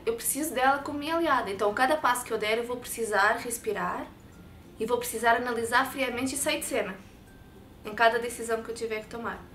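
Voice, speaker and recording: Portuguese-accented woman, animated interview guest. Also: fairly high pitch, echoey room, a little hiss or hum. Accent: European Portuguese. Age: 30s. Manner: expressive, talks with her hands. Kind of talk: personal story in a sit-down interview. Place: bright studio set with sofa and shelves. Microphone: lapel mic.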